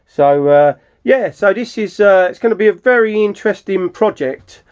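A man's voice: high voice, expressive, normal speed, darkish tone, highs cut off. A middle-aged British man giving a casual, rambling hands-on walkthrough as a restorer, correcting himself as he goes. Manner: informal, rambling, self-correcting. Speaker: furniture restorer presenting his project. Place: cluttered indoor wooden workshop. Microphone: handheld camera mic, speaker behind camera.

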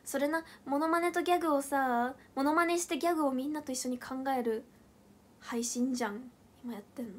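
A young woman hosting a casual livestream. She reads viewer comments aloud, reacts with quick playful questions, counts things off aloud and thanks her viewers one by one by name. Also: high voice. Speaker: idol group member hosting a livestream.

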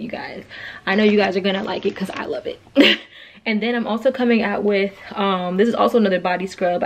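A woman vlogging in a casual, rambling chat, a bit out of breath. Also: mid-range voice. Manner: chatty, rambling, quick bursts.

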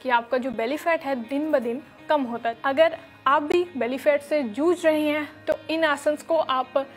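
A young woman teaching yoga in a studio, giving calm step-by-step instructions with many fillers, on a lapel mic. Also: high voice, unhurried, soft background music. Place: studio with red floor and dark curtains.

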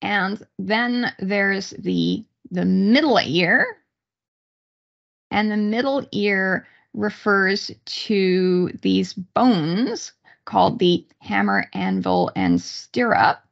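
Lady teaching an online class, slow n halting, lowish voice, kinda dull webcam audio. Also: gravelly, fairly bright tone. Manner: halting, pausing mid-sentence. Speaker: university psychology lecturer. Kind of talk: online lecture, explanatory. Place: small room indoors, on a video call.

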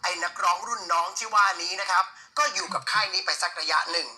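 A man presenting a story in a broadcast style, delivering it deliberately in short, pointed phrases. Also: sits high, bright, forceful tone.

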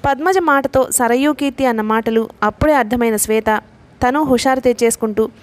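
A woman reading a novel aloud in a steady storytelling manner. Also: on the high side, a little fast. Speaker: audiobook narrator.

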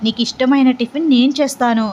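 A doting middle-aged aunt who speaks with cheerful affection, as a woman narrator voices her. Her voice sits high, and the slightly dull take carries a faint hiss. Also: fairly even intonation, quick pace, darkish tone, natural voice.

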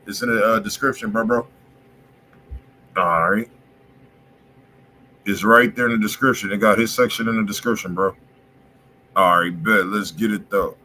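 A man's voice: lowish voice, steady tone, moderate pace, long pauses, bright, forceful tone, a little hiss or hum, rough recording. A man hosting a music review livestream from a room at home, talking loosely in slang and calling out to his viewers. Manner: loose slangy talk, calls out to chat. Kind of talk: casual livestream chat.

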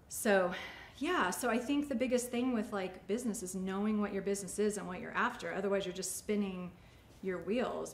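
A woman's voice: mid-range voice, creaky. A woman in her forties, a salon owner, talking casually and chattily as she teaches during a demonstration. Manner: chatty, informal. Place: indoor white-backdrop studio. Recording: echoey studio room, faint ambient noise.

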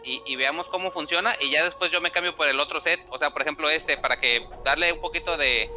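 A man chatting casually while playing a game, often restarting sentences and trailing off on drawn-out fillers. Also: on the high side, bright, forceful tone, soft background music. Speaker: gamer streaming gameplay. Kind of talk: casual gameplay chat.

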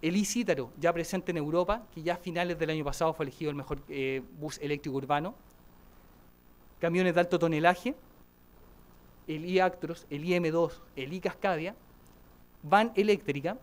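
Higher-voiced man presenting products. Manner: listing products, brisk. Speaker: conference speaker, vehicle company. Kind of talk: conference presentation. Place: conference hall podium.

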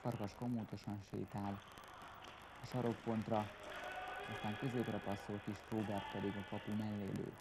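Low-voiced male sports commentator, very noisy recording. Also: level tone. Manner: terse, names players as they get the ball. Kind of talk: live Hungarian-league futsal match commentary. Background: loud indoor sports hall ambience.

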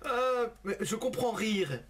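Young male gaming host, giggly and exclaiming, voice swinging up and down, slow drawn-out delivery, faint keyboard clicks behind. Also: high voice, lively intonation, a little hiss or hum. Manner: giggly, exclaiming, talking to a chatbot. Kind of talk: casual gaming commentary.

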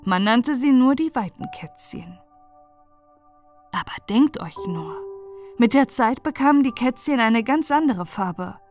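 High-voiced woman narrating a bedtime fairy tale. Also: lively intonation, measured pace, darkish tone, faint music behind. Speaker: audiobook narrator.

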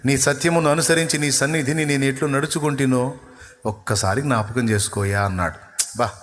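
A man's voice: mid-range voice, fairly quick, fairly bright tone. A man preaching a sermon, retelling a scripture story and acting out its dialogue with shifting intensity. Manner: storytelling, acts out quoted dialogue with rising and falling intensity. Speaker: pastor. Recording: long hall reverb.

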